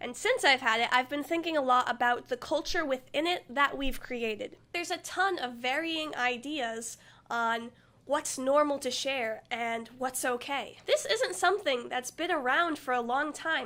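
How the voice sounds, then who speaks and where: A woman's high-pitched, raised, projected voice has a bright, sharp tone and moves at a moderate pace on a very clean recording with a silent background. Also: ordinary pitch variation. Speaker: vlogger. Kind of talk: casual vlog monologue.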